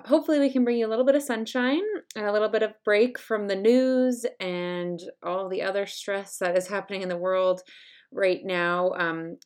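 A woman hosting a travel podcast, chatty and upbeat with frequent ums and soft laughs. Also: fairly low pitch. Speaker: podcast host. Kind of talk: podcast intro and interview.

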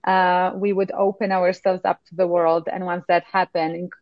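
A woman from Poland with a Polish accent, a coach talking as a podcast guest in a reflective way with many pauses. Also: fairly low pitch, little pitch movement, dry recording, muffled recording. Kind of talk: conversational interview.

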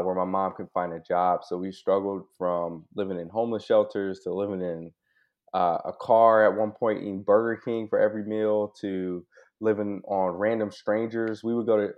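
This is an American man with a very deep voice, heard through somewhat muffled, low-fidelity audio. He talks like an interview guest sharing his own story, casually and candidly. His phrasing is informal, often checking in with the listener as he goes. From United States (born in Hawaii, grew up in California). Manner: informal, open, frequent "right?" and "like" asides. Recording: dull, lo-fi audio.

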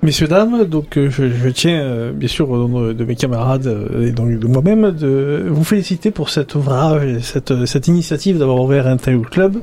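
A man playing a tabletop role-playing game in character, halting and stumbling over his words. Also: medium pitch, animated, dark tone. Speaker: player.

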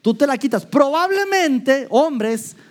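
A man's voice: very high voice, expressive, takes it slowly. A man with a Mexican Spanish accent preaching a sermon, asking rhetorical questions and acting out playful scenes. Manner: rhetorical questions, playful role-play asides. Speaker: pastor.

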